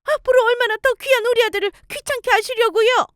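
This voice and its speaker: A woman doing a shrill nagging mother-in-law. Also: steady tone, fast, a bit bright, no echo, clean studio sound. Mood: scolding. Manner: shrill, scolding, self-righteous. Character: nagging meddlesome middle-aged mother-in-law. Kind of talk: story radio acting.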